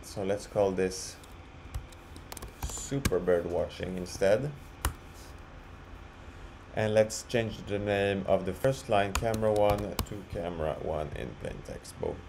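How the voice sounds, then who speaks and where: A man presenting a casual software walkthrough, explaining step by step in a halting way. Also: low-pitched. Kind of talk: casual screen-share walkthrough. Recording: clearly audible background noise.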